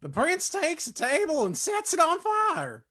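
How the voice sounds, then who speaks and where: A woman's voice: very high-pitched, huge pitch swings, a little slow, fairly bright tone. A woman reading stage directions as scripted narration for a staged reading.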